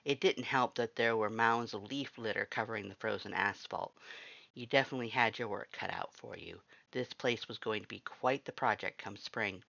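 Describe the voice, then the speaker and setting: Story reader for second-person fiction, mid-pitched voice, dry lo-fi home recording. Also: moderate pace, gravelly, bright, forceful tone, dry recording. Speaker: fan fiction reader, narrator.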